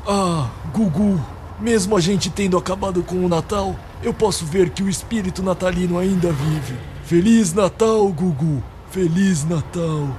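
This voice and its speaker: A man's voice: high-pitched, a little slow, a little hiss or hum. A man playing a grumpy, weary old Santa Claus in a comedic radio drama, solemn and sardonic. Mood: wistful, sardonic. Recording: loud music behind the voice. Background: music.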